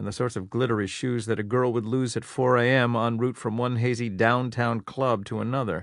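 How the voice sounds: Someone reads in a natural reading voice.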